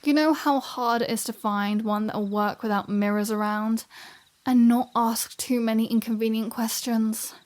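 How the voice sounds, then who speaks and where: A woman's voice: a little high, steady tone, moderate pace, close to an everyday voice. A woman playing a flirty, sardonic vampire in a scripted ASMR roleplay audio drama, with breezy, sarcastic banter. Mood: wry, breezy.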